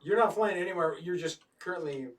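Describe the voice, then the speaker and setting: A man's voice: sits high, brisk. A man running a tabletop game as game master, explaining the rules with dry teasing. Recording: distant mic, faint background noise.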